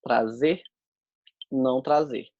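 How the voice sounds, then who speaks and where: A man's voice: mid-range voice, slow pace, darkish tone, dry recording, dull audio. A man teaching a sign language class, explaining step by step as he demonstrates the signs.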